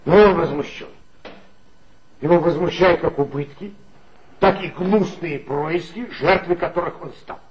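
Fussy, pompous police chief , a man acting, higher voice, muffled vintage tape sound. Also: unhurried, noisy background, close to an everyday voice. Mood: insistent. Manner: insistent, fussy and emphatic. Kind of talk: 1960s Soviet radio play acting. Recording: dull 1960s studio recording.

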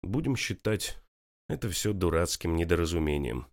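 A man voicing a young man who is hurt and angry, speaking low and quiet. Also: expressive, normal speed. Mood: subdued. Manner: low, quiet, clipped through teeth.

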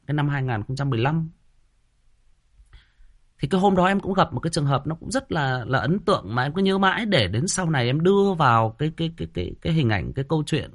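Brief: male Northern Vietnamese livestream host, chatty and rambling, fairly high and lively voice. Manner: chatty, full of fillers and repetition. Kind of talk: casual livestream chat.

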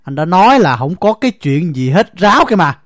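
Man acting timid husband, Southern Vietnamese accent, flustered, pleading, fairly high, dry sound. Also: sing-song, a little fast, no echo. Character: harried timid husband caught between two women. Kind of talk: audio drama acting.

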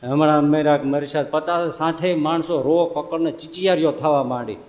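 At a moderate pace, a man preaches a lively, story-driven sermon in a high, ringing voice. He poses rhetorical questions to make his points and frequently laughs. His words echo with a long reverb, suggesting a big hall.

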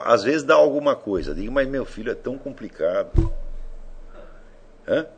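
A man gives a loose, conversational lecture, firing rhetorical questions at his audience and swearing offhandedly. His voice is husky, and his pitch swings widely as he talks. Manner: provocative, asks rhetorical questions, swears casually. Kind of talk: informal philosophy lecture.

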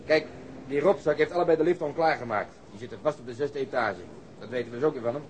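Actor as a brash, fast-talking police detective. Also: male voice, medium pitch, darkish tone, slight background noise, natural voice. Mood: grim, matter-of-fact. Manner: gruff, blunt, swearing. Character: brash, reckless, foul-mouthed male police detective under sniper fire. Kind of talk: radio drama acting.

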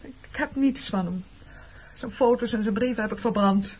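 An actress playing a defensive, grieving woman in a Dutch radio drama, speaking in a halting, emotional, pleading way. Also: on the high side, a little mellow, a little hiss or hum, close to an everyday voice. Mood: sorrowful, searching. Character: defensive grieving woman, shunned for loving an enemy officer. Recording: dull lo-fi radio play recording.

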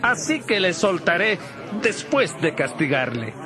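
An actor playing a firm Roman governor addressing a crowd formally in an audio Bible drama. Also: male voice, high-pitched, sing-song, measured pace. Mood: firm, declaring. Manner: declamatory, formal.

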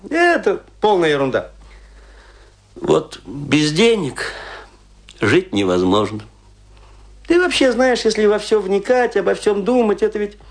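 A tipsy provincial philosopher in a theatrical radio monologue. His delivery is slow and leisurely, with a somewhat high pitch that swings widely. He muses with great self-satisfaction, putting questions and answering them himself. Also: exaggerated voice. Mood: excited, expansive. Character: tipsy, rambling Russian provincial philosophizing over drinks.

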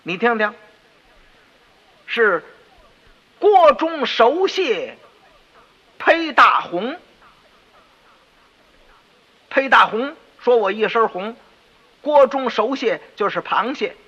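A man's voice: sits high, slow, pauses often, pushed and bright, in a large hall, heavily acted. A man with a Beijing accent playing a pompous, irritable old prime minister who scolds his servant. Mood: explaining. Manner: scolding, haughty and raised. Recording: dull lo-fi radio recording.

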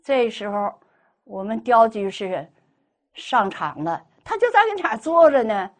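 Her voice is a little high and her pace unhurried: a middle-aged Buddhist lay speaker sharing her personal testimony. She animatedly performs the quoted dialogue as she tells it.

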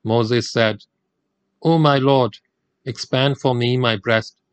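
Older Gujarati-speaking man giving a measured lecture. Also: medium pitch, steady tone, clean tone, no room sound. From India. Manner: measured, deliberate delivery with Quranic recitation. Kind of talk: formal religious lecture.

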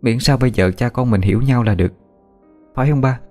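A man voicing a gentle young daughter who speaks softly. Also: medium pitch, brisk, faint music behind, pitched above the performer's own voice, close to an everyday voice. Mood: tender.

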